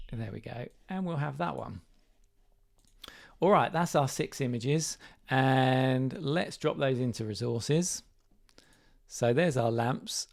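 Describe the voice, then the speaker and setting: Gravelly man demoing software live. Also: medium pitch. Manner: relaxed, thinking aloud, self-correcting. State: slightly croaky voice. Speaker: developer demonstrating software. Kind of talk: live screen-share walkthrough.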